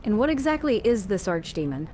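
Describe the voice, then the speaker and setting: A woman voicing a calm young elf warrior, the hero of a fantasy game, in a plain, questioning manner. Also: mid-range voice, fairly quick, slight background noise, close to an everyday voice. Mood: composed. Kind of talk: amateur voiced game protagonist. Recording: home microphone over game ambience.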